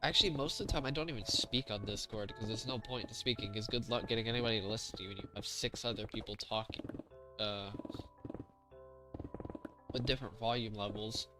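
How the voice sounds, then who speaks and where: A quiet, soft-spoken man rambling casually on a game stream in a hesitant, low-effort, self-deprecating way. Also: brisk. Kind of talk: casual rambling livestream chat. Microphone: close gaming mic with high gain. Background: music.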